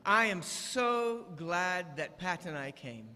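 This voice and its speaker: An older man, a visiting church elder, preaching in short phrases and pausing for an interpreter. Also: high-pitched, expressive, sharp tone. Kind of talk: guest sermon with live interpreter. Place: church sanctuary. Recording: church hall reverb.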